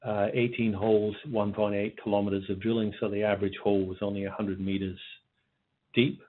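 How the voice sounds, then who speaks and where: Exec guy on an earnings call, lowish voice, bit husky, stop-start, phone line sound. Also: little pitch movement. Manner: halting, repeats words. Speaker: company executive answering analysts. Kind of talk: earnings call question and answer. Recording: tinny narrowband phone line.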